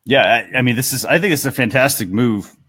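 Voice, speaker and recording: A man hosting a casual panel discussion, talking a little haltingly as he thinks aloud. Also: medium pitch, fairly bright tone, husky. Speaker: talk show host.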